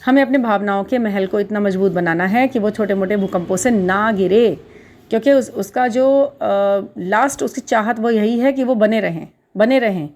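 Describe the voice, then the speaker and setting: A woman's voice: medium pitch, moderate pace, darkish tone. A middle-aged woman hosting a spiritual guidance channel, talking casually and reassuringly to her viewers, repeating words for emphasis and mixing English terms into her Hindi.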